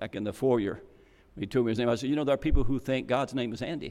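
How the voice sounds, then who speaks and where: This is a man with a Kentucky accent. His pitch sits in the medium range. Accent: Southern US (Kentucky). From Kentucky, US South. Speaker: guest preacher. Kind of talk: sermon. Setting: church with congregation. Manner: folksy, storytelling.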